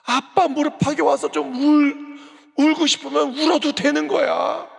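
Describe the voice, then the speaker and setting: A man's voice: very high-pitched, fairly even intonation, a little slow, gravelly, long reverb tail, pitched above the performer's own voice, full character voice. A man voicing a distraught father who scolds and pleads with his blind daughter in a raised voice. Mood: anguished. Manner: shouting, exasperated scolding.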